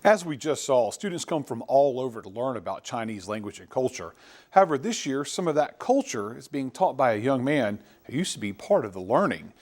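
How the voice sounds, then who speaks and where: Lively male student news anchor. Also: mid-range voice, brisk. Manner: lively scripted delivery.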